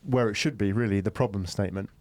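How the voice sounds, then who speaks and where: A man's voice: lowish voice, quick pace, a little mellow, no room sound. A man hosting a conversational business interview in a studio, explaining at length and often checking in with tag questions. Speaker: host interviewer.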